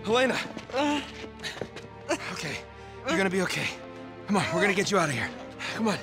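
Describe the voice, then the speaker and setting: A man's voice: high-pitched, lively intonation, a little fast, music in the background. An American man playing a rugged, earnest adventurer in his thirties in a video game cutscene. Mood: alarmed. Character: rugged, earnest young male adventurer, urgent and determined.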